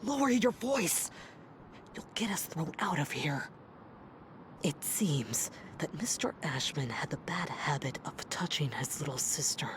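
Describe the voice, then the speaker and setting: A woman voicing a gossiping character in a video game, passing on dark secrets in a conspiratorial way that often drops to a whisper. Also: sits low, expressive, a little slow, noisy background. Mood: hushed.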